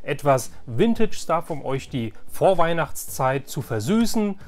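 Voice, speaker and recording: A man's voice: on the high side, sing-song, a little slow. A man chatting casually and enthusiastically to viewers as he hosts a collecting video, often repeating words for emphasis. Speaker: host of a toy collecting video channel.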